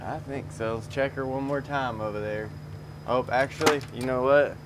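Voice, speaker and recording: A man's voice: mid-range voice, fairly even intonation, moderate pace. A man talking casually and chattily to viewers as a mechanic while he works in a garage. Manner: folksy, chatty. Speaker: transmission mechanic presenting a video. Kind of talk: casual hands-on shop chat to viewers. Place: auto repair garage, under a lifted truck. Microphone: camera a few meters away. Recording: clear garage noise behind.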